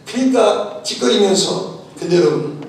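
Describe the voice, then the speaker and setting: High-voiced pastor preaching in an echoing hall. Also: male voice, animated, normal speed, creaky, darkish tone. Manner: emphatic, urging listeners to listen closely, many rhetorical questions. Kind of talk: sermon. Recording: echoey hall from far off, faint noise.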